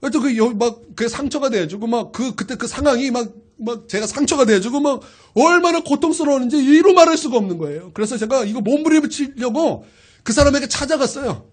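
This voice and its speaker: A man preaching a sermon in a high, bright voice that leaps up and down as he tells his story. He talks straight to the congregation and throws questions at them. He shifts his delivery constantly to keep them listening. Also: expressive, fairly quick. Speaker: pastor.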